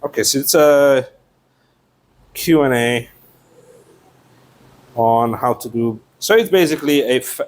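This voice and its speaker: Slow-paced, jokey male vlogger. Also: mid-range voice. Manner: jokey, sweary, playful asides. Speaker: vlogger unboxing a product. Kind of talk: casual unscripted chat.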